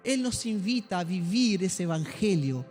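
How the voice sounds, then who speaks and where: A male pastor tells a story in a sermon. His voice sits very high, and he acts out each person's lines with strong feeling. Faint music plays under his words. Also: expressive, unhurried, a little mellow. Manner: emotional storytelling, acts out dialogue. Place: church.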